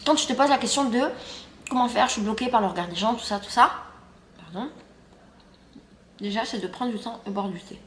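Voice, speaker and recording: A woman's voice: on the high side, brisk, long pauses, a little hiss or hum. A woman in her thirties from France, chatting casually in a vlog while eating breakfast. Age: 30s. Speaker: YouTuber and guide. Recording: roomy sound with faint ambience.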